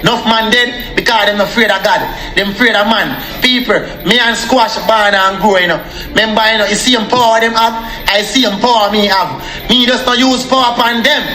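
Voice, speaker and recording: A man's voice: high voice, fairly quick, pushed and bright, reverberant. A young man with a Jamaican accent ranting angrily on a live stream, repeatedly calling out to his viewers. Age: young adult. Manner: repetitive, addresses viewers as people. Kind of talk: angry live-stream rant.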